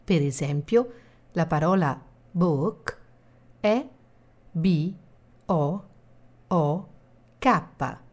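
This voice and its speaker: A woman narrates a recorded language course, giving a calm, measured translation after each line. Her voice is somewhat low and her pace is slow and steady. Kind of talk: scripted instructional reading.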